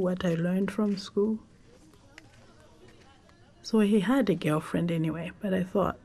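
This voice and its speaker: A Zambian woman whose first language is Tonga, telling her life story in a reflective, unhurried way with pauses and restarts. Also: lowish voice, vocal fry, warm tone. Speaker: documentary interviewee.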